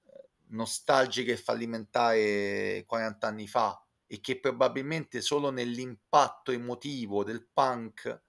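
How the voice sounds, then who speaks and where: Male guest commentator, Roman accent, fry in the voice, erudite and halting, informal. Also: mid-range voice, a bit bright. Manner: reflective, halting, wordy and erudite. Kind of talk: informal spoken concert review. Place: indoor room with bookshelves. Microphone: video call, close to computer.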